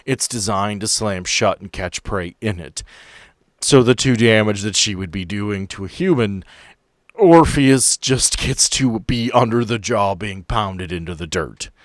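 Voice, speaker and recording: A man's voice: on the low side, measured pace, no echo. A man working as game master, narrating the action and addressing players directly in a conversational way. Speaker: game master of a tabletop role-playing podcast.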